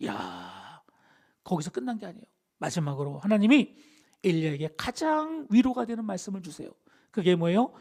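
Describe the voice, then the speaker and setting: An animated male pastor preaching with a lively, swooping pitch. He poses questions to the congregation and answers them himself. His voice is gravelly, and he often falls to a hushed whisper for effect. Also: moderate pace. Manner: animated, dips into dramatic whispers. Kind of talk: sermon.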